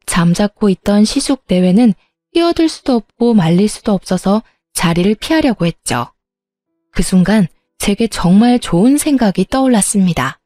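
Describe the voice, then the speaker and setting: Woman telling a story steady and even, mellow voice, dry close mic, faint music. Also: mid-range voice, normal speed, no echo. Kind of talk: dramatized story narration.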